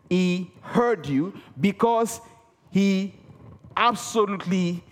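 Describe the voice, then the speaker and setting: A man preaching a sermon in a church, emphatic and repetitive, calling out for responses from the congregation. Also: sits high. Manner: emphatic, repeats key words for effect; calls for audience response. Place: church hall. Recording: reverberant hall.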